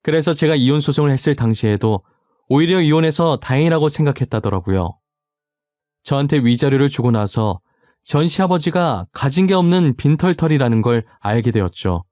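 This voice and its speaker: Man calmly reading a story. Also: mid-range voice, fairly quick, no echo, studio quality. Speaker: story narrator. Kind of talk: scripted narration of a first-person story.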